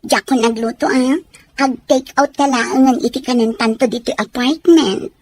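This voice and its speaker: A woman's voice: a little high, fairly even intonation, moderate pace, darkish tone, natural voice. A woman with a Filipino accent acting emotional domestic roles in an audio drama. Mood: affectionate. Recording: some background noise.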